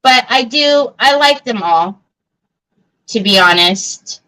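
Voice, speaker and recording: Woman chatting on her craft livestream, slow and easy, bright voice, lots of ums. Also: on the high side, expressive, low-quality recording. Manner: chatty, answers viewer comments, many fillers and restarts. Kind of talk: casual chat while crafting live.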